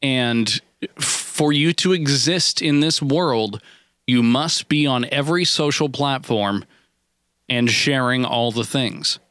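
A man's voice: medium pitch, takes it slowly, fairly bright tone, clean tone, no echo, clean studio sound. A man co-hosting a podcast in casual, joking chat, laughing often and wandering off on tangents. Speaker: podcast co-host. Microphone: desk microphone.

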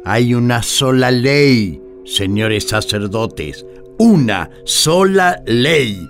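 A man acts out an indignant prophet in a religious radio play. His delivery is very slow and declamatory, with wide swings in pitch and biting sarcasm. Faint music sits behind him. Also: expressive, creaky, full character voice. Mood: stern, accusing. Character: indignant prophet denouncing corrupt priests at a banquet.

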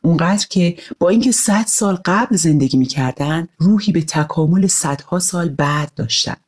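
Give me a kind, patient dad in a read-aloud story, read by a woman, low-pitched and gentle. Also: slightly rough. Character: gentle, thoughtful father telling stories.

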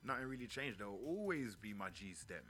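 A man's voice: lowish voice, big pitch swings, fairly quick, a bit bright, soft background music. A man with an urban London roadman accent, chatting casually in an interview as a grime MC, full of street slang and emphatic repetition.

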